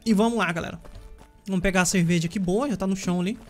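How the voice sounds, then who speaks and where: A man's voice: high voice, very fast, faint music behind. A Brazilian man giving chatty let's-play commentary, talking to viewers and yelping during fights. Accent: Brazilian Portuguese. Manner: chatty, addresses viewers, yelps when playing. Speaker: gaming YouTuber.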